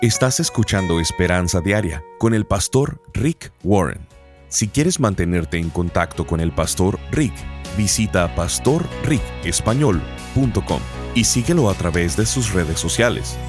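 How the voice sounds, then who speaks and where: A man's voice: deep voice, animated, unhurried. A man reading the scripted announcements for a radio devotional program. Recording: read over clear music bed.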